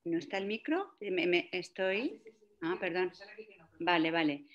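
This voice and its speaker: A woman's voice: lowish voice, sing-song, measured pace, highs cut off. A woman in her sixties with an accent from Spain, moderating casually in a teasing, scattered way. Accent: Spanish from Spain. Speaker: host, Buddhist nun. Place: indoor shrine room. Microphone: computer mic on video call.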